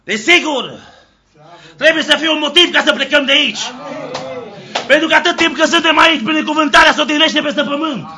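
A man preaching a fiery sermon, shouting exclamations of praise and asking questions he answers himself, dropping now and then into low, quiet passages. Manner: shouting exclamations of Hallelujah, call-and-response questions. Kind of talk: fiery Pentecostal-style sermon.

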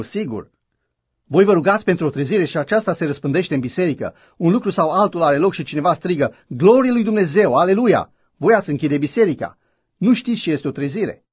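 A man preaches with fervent, emphatic conviction, his somewhat high voice husky and breathy. The recording is dull and lo-fi, with a dry, close sound. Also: dry recording. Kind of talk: sermon.

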